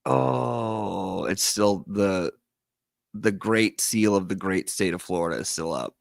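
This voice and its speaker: A man's voice: low-pitched, slow pace, creaky, dry recording, studio quality. A man with whistling s sounds, chatting casually as a livestream host and reading out viewer messages.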